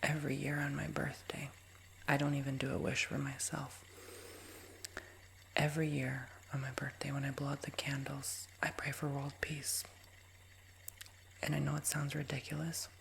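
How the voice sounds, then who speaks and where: A man in his twenties with a nasal, raspy voice, giving a soft, rambling ASMR whisper with many fillers. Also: medium pitch, monotone, normal speed, long pauses, a little hiss or hum. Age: 20s. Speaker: ASMR creator.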